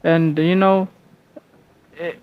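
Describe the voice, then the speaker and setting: A man's voice: a little high, flat delivery, slow pace, smooth, narrow, tinny audio. A young man from the Philippines whose first language is Filipino, rambling casually and hesitantly at home with many restarts and fillers. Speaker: vlogger.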